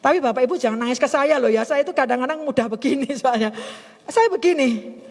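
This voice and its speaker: A woman's voice: sits high, fast. Chatty woman pastor in reverberant hall. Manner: chatty, animated, laughs often. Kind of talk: storytelling sermon. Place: church service in a hotel hall.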